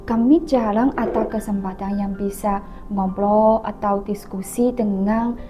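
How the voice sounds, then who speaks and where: Halting young Chinese woman, unhurried foreigner's Indonesian. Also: medium pitch, fairly even intonation, dark tone. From China. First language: Mandarin. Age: young adult. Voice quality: difficulty rolling the R. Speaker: student guest. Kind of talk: interview answers.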